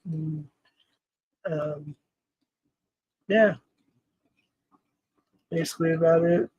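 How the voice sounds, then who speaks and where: Guy in his 40s chatting on his livestream, kinda high voice, laughs a lot, reads chat. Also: no echo, low-quality recording. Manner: rambling, laughs often, talks to chat by name. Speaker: livestream host. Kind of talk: casual livestream chat reading comments.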